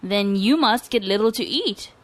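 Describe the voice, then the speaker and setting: A mild, kindly older governor speaks calmly and gently to a lazy youth. A woman reading a fairy tale puts him on. His words are even and measured. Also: medium pitch, lightly acted. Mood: gentle.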